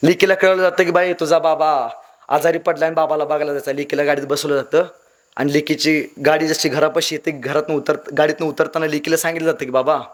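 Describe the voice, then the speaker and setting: A man's voice: fairly high pitch, little pitch movement, a little fast. A young man from Maharashtra, giving a motivational speech full of acted-out stories and emotional swings. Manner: dramatic, acts out voices in anecdotes, emotional swings. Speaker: motivational speaker.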